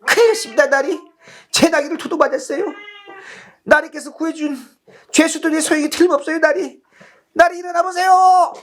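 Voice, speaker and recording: A man's voice: very high-pitched, steady tone, normal speed, voice pushed up. A man voicing a timid, servile squire who pleads and grumbles in a whiny way in a storybook tale. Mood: panicked, tearful.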